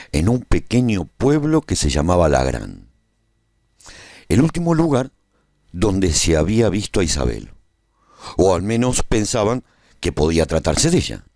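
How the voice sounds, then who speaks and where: A man playing a post-apocalyptic traveller who narrates a scripted radio drama in a measured, solemn way. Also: low-pitched, a little mellow, no echo, clean studio sound, heavily acted. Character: male post-apocalyptic traveller recounting a war story gravely.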